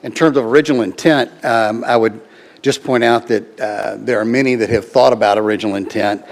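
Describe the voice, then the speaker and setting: Low, gravelly man addressing a meeting. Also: steady tone, fairly quick. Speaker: public commenter at a city meeting. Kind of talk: formal public comment, argumentative. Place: public meeting room, speaking at a microphone.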